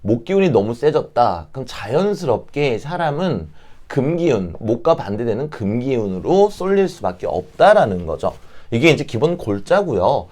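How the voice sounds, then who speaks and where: A man with a slightly hoarse, catching throat, explaining things politely and informally as an advisor speaking to parents. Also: mid-range voice, sing-song, normal speed, darkish tone. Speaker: fortune-telling advisor, channel host. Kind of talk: informal explanatory talk to camera.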